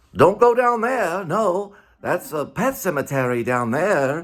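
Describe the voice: Drawling at a fairly slow pace, a man puts on a character voice with a Maine accent, pitched high for a man and swinging very widely in pitch.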